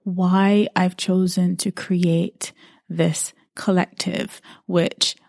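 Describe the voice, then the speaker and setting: A woman's voice: fairly low pitch, level tone, very slow, vocal fry, darkish tone, no echo, clean studio sound. A woman from Barbados, probably in her thirties, hosting a podcast and talking about her life in an earnest, reflective way, often repeating words as she thinks. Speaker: podcast host.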